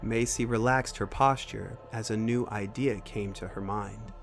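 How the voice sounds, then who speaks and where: A man's voice: on the low side, fairly even intonation, measured pace, soft background music. A man narrating a scripted science fiction story.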